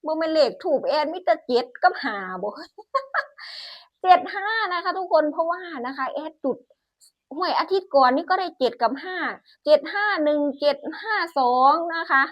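A woman's voice: very high voice, animated, moderate pace, no room sound, rough recording. A woman with a northeastern Thai Isan accent hosting a casual lottery numbers channel from home, chatty and exclamatory, often laughing. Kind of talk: casual chat while reading incense numbers. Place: home, indoors.

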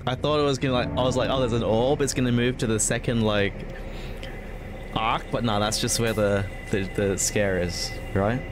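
A man's voice: medium pitch, fairly even intonation, normal speed, loud music behind the voice. A young man doing casual, joking let's play commentary, thinking aloud as he plays. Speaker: gaming YouTuber.

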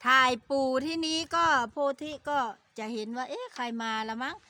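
A woman's voice: sits high, expressive, normal speed, pushed and bright. A middle-aged woman with an Isan accent, telling a story to her viewers in a chatty, repetitive way and ending phrases with polite particles. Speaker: vlogger.

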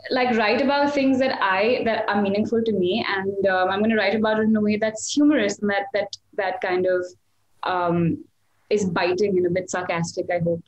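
A woman's voice: mid-range voice, fairly even intonation, normal speed, dull audio. Chatty young woman in an echoey room. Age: young adult. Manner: chatty, self-deprecating, many restarts and fillers. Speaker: singer-songwriter guest. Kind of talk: casual video-call interview. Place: small home room, indoors. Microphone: webcam on video call. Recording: echoey room on a video call.

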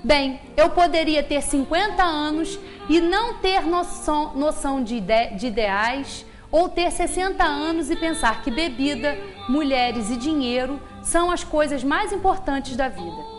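A frank, calm young man facing death, as a woman reads him aloud. His lines come in a high, steady voice over clear background music. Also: unhurried, few pauses.

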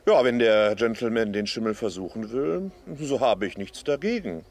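An actor playing a shrewd middle-aged horse dealer in a radio play, commanding and hesitant with hums. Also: male voice, on the low side, animated, moderate pace, a little mellow. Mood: businesslike. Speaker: horse trader.

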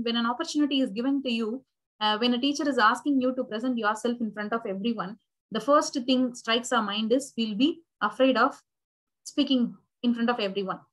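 Over lecture slides, a young Tamil-speaking woman from India teaches university English, patiently rewording her explanations and using plenty of fillers. She speaks at a moderate pace in a fairly bright, higher voice, and the audio is poor.

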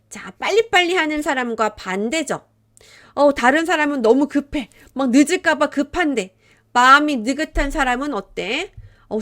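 A woman's voice: high-pitched, fairly bright tone. A woman teaching Korean vocabulary, explaining words patiently and acting out short example dialogues. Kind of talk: vocabulary lesson.

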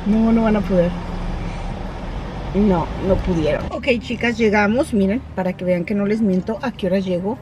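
A woman's voice: medium pitch, moderate pace, lo-fi sound. A woman in her thirties chatting to her viewers from the driver's seat as she runs errands. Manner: chatty, switches into English with staff and kids. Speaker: vlogger. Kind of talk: casual chat to camera while driving. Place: inside a car, in a drive-through and parking lot. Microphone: camera mounted on the dashboard. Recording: car interior with clear road noise.

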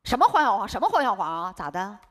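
Woman playing a gossipy quarrelsome neighbor, animated pitch, noisy stage recording. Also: fast, natural voice. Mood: bickering. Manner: bickering, complaining. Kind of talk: stage comedy sketch. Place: television gala stage. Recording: stage show with loud audience.

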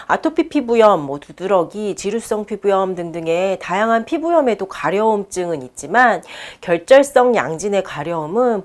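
A woman doctor giving an explanatory medical talk in an instructive manner, stressing key terms. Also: medium pitch. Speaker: doctor presenting a health video column. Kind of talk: explanatory medical lecture to camera.

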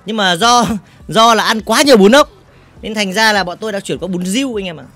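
High-voiced joking male game streamer. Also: fairly bright tone, dry recording. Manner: joking and teasing, repeats words in quick bursts. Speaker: gaming livestreamer. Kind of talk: casual livestream chat, reading viewer comments.

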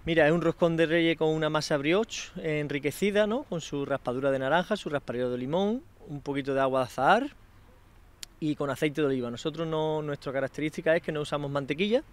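A man's voice: on the high side, fast talker. A man in his thirties, a chef and restaurant owner, explaining his work plainly in an outdoor interview. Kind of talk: casual interview. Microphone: handheld microphone.

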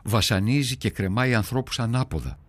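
A man's voice: medium pitch, animated, fairly bright tone. An actor narrating as a devout early-Christian man who tells, in earnest first person, of a crisis of faith and hard times. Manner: earnest, prayerful, brooding. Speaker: documentary narrator.

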